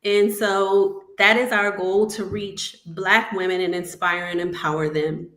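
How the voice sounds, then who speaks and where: A woman's voice: mid-range voice, sharp tone, echoey room. A woman hosting an interview show, chatty and enthusiastic as she welcomes and questions her guest. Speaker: podcast host.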